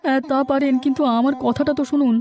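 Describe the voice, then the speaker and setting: Earnest cartoon fisherman male actor, deferential village servant with a warm, mellow tone over music. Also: very high-pitched, level tone, fast. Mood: defensive, pleading. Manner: deferential, explanatory. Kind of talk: animated cartoon story acting. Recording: music bed under the voice.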